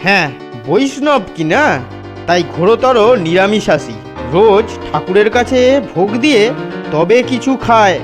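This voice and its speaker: Lively earnest schoolboy sidekick. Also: male voice, high voice, measured pace, over music. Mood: eager. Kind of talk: Bengali children's cartoon voice acting.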